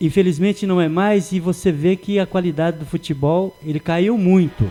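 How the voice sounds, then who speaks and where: At a moderate pace, a man talks with a high pitch and fairly even intonation. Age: 60s. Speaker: former amateur footballer. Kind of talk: radio interview.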